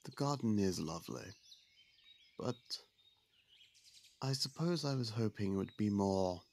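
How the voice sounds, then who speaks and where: An actor playing a young prince in an ASMR roleplay, speaking in polite, formal, soft-spoken courtship talk close to the mic. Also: male voice, fairly low pitch, animated, unhurried. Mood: courteous.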